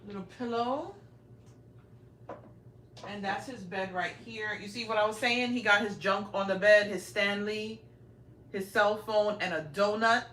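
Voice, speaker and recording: A chatty woman in her forties leads a casual live-stream tour, talking straight to her viewers. Her voice sits at an ordinary middle pitch and carries the open ring of small home rooms. A faint hiss runs beneath it, picked up by a handheld phone. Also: steady tone, a little slow, pauses often, a bit bright. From raised in Brooklyn, New York. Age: 40s. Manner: chatty, keeps addressing viewers directly. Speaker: livestream host. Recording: roomy home audio, faint noise.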